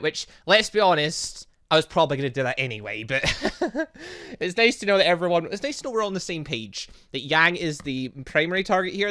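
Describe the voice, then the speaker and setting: A man with a fairly high, sharp and bright voice commentates on a game in a casual let's play style. He is talkative and rambling, often breaking off his own sentences to start again. It sounds like an informal YouTube gaming session. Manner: chatty, rambling, self-interrupting.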